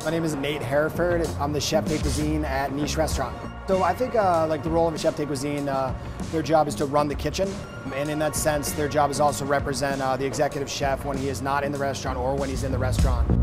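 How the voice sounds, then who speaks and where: Over clear music in the background, a man speaks at a very fast pace. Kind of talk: interview answer. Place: kitchen.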